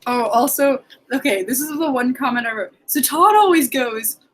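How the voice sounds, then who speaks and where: A woman's voice: high-pitched, lively intonation, normal speed, fairly bright tone, poor audio. A young woman in a casual book chat, often quoting and acting out lines as she talks. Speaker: book discussion co-host.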